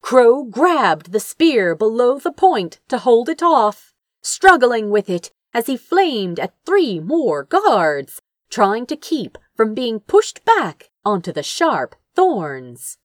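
Woman narrating fantasy, very animated delivery. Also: fairly high pitch, takes it slowly, few pauses, no echo, studio quality. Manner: theatrical, suspenseful storytelling. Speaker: fan fiction narrator. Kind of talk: dramatic scripted narration of a fantasy story.

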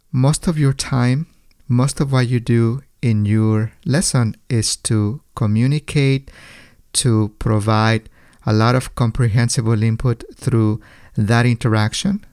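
Smooth, low-voiced male podcast host. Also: a little mellow, no echo, clean studio sound. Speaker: podcast host and language educator. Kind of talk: explanatory podcast monologue.

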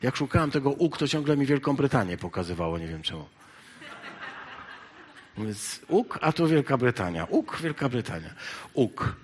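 A man preaching a sermon, shifting between loud, emphatic exhortation and quiet, halting asides full of hesitations. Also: mid-range voice, sing-song, a little hiss or hum. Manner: halting, with many hesitation fillers.

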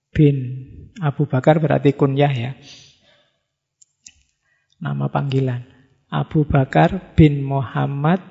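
Lecturer, male, gravelly, slightly raised pitch, casual joking delivery, dull reverberant hall recording. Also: darkish tone. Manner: chatty and joking, mixes in local words.

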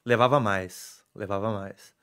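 A young adult man, a sports reporter telling stories in an excitable, animated way on a casual podcast. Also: fairly low pitch, unhurried, clean tone.

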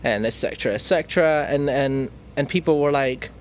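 A man's voice: mid-range voice, a little fast, a little hiss or hum. A man hosting a casual news chat, talking in a playful, teasing way with plenty of fillers. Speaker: news show host.

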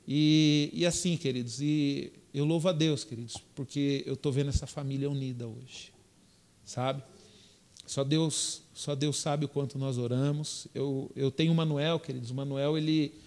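Older pastor preaching, tells a story, keeps calling the church dear ones, voice a bit high. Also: male voice, fairly even intonation, moderate pace. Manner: storytelling, addresses the congregation as dear ones, repeats himself. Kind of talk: sermon testimony.

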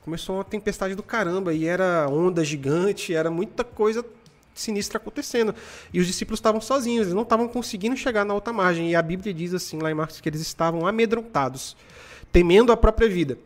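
Young Brazilian man, high voice, rapid slangy talk, animated storyteller. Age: 20s. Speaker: live-stream host. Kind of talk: casual motivational chat.

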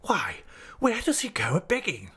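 A man's voice: high-pitched, very animated, measured pace, creaky, slightly rough, pitched above the performer's own voice, heavily acted. A man voicing an irascible, pompous school principal in an audiobook, full of sarcastic politeness and whispery menace. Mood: severe, mock-polite. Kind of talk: audiobook character acting.

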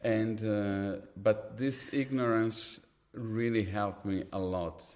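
A man's voice: lowish voice, steady tone, slow pace, a little mellow. A man from Italy, a designer guest in a casual interview, talking candidly and mocking himself with casual swearing.

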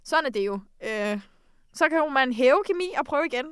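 A woman's voice: high voice, expressive, fairly bright tone, smooth, no echo, clean studio sound. A teenage girl co-hosting a podcast, chatting playfully and spinning vivid, rambling comparisons. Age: late teens. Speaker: podcast co-host. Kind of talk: casual chat.

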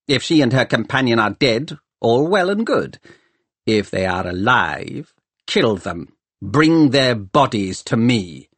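A man's voice: medium pitch, no echo, voice pushed up. A man voicing a scheming male city ruler who speaks in a clipped, commanding way.

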